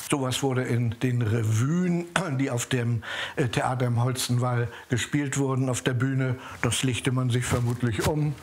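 A journalist talking through keepsakes in an interview, in a hesitant, rambling way. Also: male voice, mid-range voice, unhurried. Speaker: journalist keeping an estate. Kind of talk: interview on camera.

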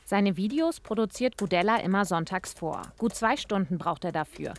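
A woman narrating a scripted regional news report in an even, measured way. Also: mid-range voice.

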